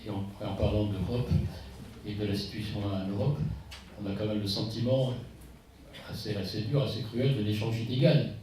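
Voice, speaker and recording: A man moderating a panel discussion, asking quick questions. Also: lowish voice, steady tone, mellow, a little hiss or hum. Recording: echoey hall from far off.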